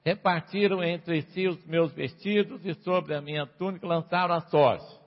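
A man preaching a sermon to a congregation, reading scripture and explaining it with sharp rises and drops and frequent calls for amen. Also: fairly high pitch, fairly even intonation, moderate pace. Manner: emphatic, rises and falls sharply, asks the congregation for amens. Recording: dull lo-fi sound with long hall reverb.

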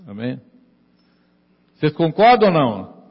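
A man's voice: a little high, big pitch swings, measured pace, husky, in a large hall, highs cut off. A man preaching a sermon in a church. He repeats his lines for emphasis and keeps asking the congregation "amen?". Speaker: pastor.

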